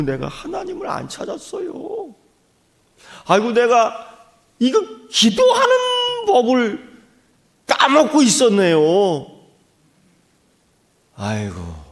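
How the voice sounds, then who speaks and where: Man doing a remorseful 65-year-old man, muttered prayer, sighing, hushed and lower.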